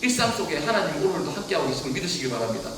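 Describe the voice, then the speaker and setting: A man's voice: on the high side, sing-song, rapid-fire, background noise. A man preaching as a pastor, asking the congregation question after question. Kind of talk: sermon. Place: church hall. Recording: echoey hall, voice from far off.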